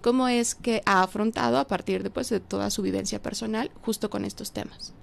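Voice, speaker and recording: A woman's voice: mid-range voice, steady tone, brisk, gravelly, slight background noise. A woman moderating an interview, asking formal questions in a polite, slightly hesitant way. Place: university auditorium.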